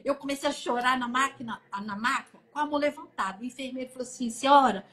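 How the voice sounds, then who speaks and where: Animated middle-aged woman telling a testimony. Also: high voice, fast talker. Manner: animated, acts out dialogue and sounds. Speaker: guest sharing a testimony. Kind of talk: emotional testimony storytelling on a live stream. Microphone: phone on an online live stream.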